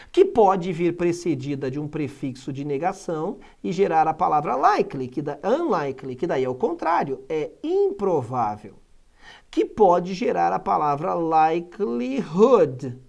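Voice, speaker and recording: A Brazilian English teacher giving an exam-prep video lesson, reading English text aloud and explaining it in a lively, exclamatory way with frequent check-ins. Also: medium pitch, measured pace, vocal fry. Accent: Brazilian Portuguese.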